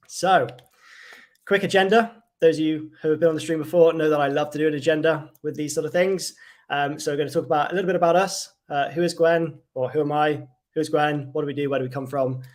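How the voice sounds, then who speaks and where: An enthusiastic young man hosting a livestream tech lesson, his voice sitting a little high for a man. He keeps the energy up and fills his talk with cheerful praise for the material. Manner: enthusiastic, lots of "wonderful" and "fantastic". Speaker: cloud advocate presenting a livestream. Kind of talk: upbeat livestream tech presentation.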